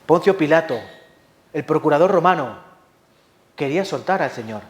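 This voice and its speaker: A male pastor from Spain preaching a sermon in a church hall, his voice sitting a little high. He tells his stories dramatically, throwing out rhetorical questions and acting out sounds as he goes. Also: lively intonation, moderate pace.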